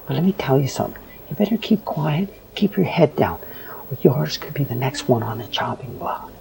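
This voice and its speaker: An actor playing a cynical, fearful newsroom worker in an audio drama, cautioning and lecturing in a hushed manner. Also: male voice, mid-range voice, expressive, brisk, vocal fry, a little hiss or hum, rough recording. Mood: tense, warning. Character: cynical, fearful male newsroom worker who obeys management.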